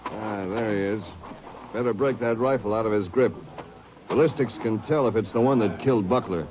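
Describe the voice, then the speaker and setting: An actor playing a brisk, businesslike lawman in a 1950s western radio drama. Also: lowish voice, a crowd in the background, close to an everyday voice. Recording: muffled, noisy 1950s radio recording.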